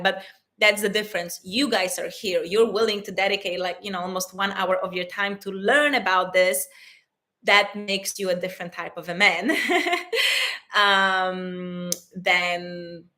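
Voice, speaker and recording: A woman from Poland with a Polish accent, hosting a live stream as an intimacy coach and answering chat questions warmly and with frequent laughter. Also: mid-range voice. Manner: warm and affectionate, calls viewers "my loves", laughs often.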